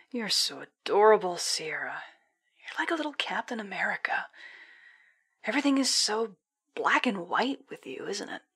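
A woman's voice: medium pitch, sing-song, moderate pace, fairly bright tone, husky, full character voice. A woman playing a cold, condescending villainous spy commander in an audio drama. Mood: mocking. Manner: condescending, taunting, menacing.

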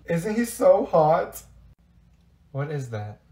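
A man's voice: fairly high pitch, big pitch swings, takes it slowly, mellow, echoey room, exaggerated voice. A man playing sassy, dramatic teenage schoolgirls with slangy, complaining delivery in a comedy skit. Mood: gossipy.

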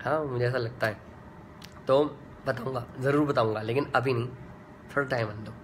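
A young man, a singer, chatting casually in a fan live chat, reading out comments in a relaxed way with many fillers. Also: medium pitch, normal speed, slight background noise. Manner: laid-back and chatty, full of "yaar" and "matlab" fillers.

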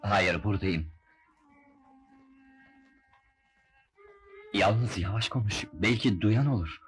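An actor playing a middle-aged husband, tender, secretive and reassuring, in an old melodrama film. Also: male voice, on the low side, moderate pace, close to an everyday voice.

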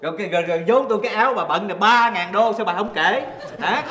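A man's voice: high voice, pushed and bright. An actor with a Southern Vietnamese accent playing an older painter husband who protests and whines at his wife in a stage comedy. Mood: arguing. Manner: fast, whiny, protesting. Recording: roomy stage hall, faint noise.

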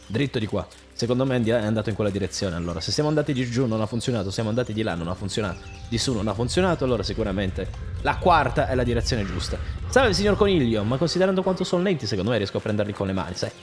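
A man giving excitable, jokey running commentary while playing a video game. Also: lowish voice. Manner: excitable, jokey, shouts at enemies in combat. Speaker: gameplay streamer. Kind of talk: casual let's play commentary.

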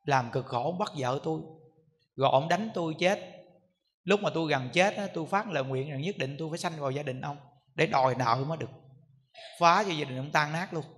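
A man's voice: fairly high pitch, a little fast, fairly bright tone, pitched below the performer's own voice, lightly acted. A Buddhist monk voicing the resentful ghost of a young man, telling off his father. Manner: resentful, accusing. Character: bitter young male ghost of a debtor son. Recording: echoey hall reverb.

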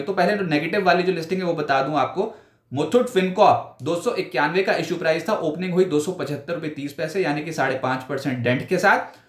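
A man's voice: on the high side, echoey room. Emphatic male market news anchor. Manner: brisk, emphatic delivery with hand gestures. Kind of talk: stock market roundup commentary. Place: indoor studio before a branded backdrop.

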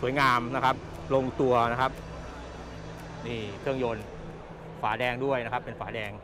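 A man's voice: medium pitch, flat delivery, moderate pace, background noise. A man giving a casual walkaround tour of a car at a busy indoor motor show, chatty and repeating his points as he films. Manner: chatty, repeats points, ends phrases with polite particles. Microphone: handheld camera mic, presenter off camera.

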